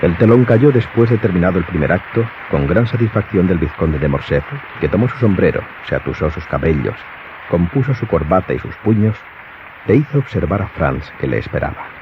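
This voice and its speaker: A man narrating a dramatized audiobook in a measured, literary storytelling manner. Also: low-pitched, animated, background noise. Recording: dull lo-fi sound, loud music behind.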